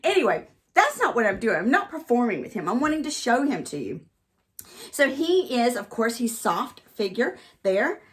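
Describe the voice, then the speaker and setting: A woman's voice: fairly high pitch, sing-song, moderate pace, fairly bright tone. A woman ventriloquist and comedian talking casually in a chatty, rambling way as she demonstrates on a vlog.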